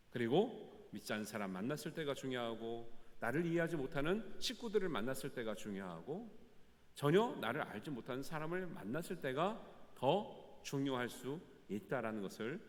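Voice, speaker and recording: Man, pastor, sermon, lively swinging pitch, long church hall echo. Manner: animated preaching with sudden loud rises and soft drops; addresses the congregation directly with questions. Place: church sanctuary.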